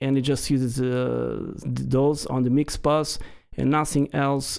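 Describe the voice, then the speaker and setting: With a non-native accent, the speaker talks at a very slow pace. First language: not English. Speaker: music producer. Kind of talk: tutorial. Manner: halting.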